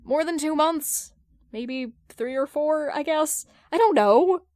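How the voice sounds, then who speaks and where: A woman's voice: high-pitched, takes it slowly, a little mellow, dry recording, clean studio sound, pitched above the performer's own voice. A woman voicing a defensive, flustered forty-year-old man who protests and stammers in an audio fan fiction reading.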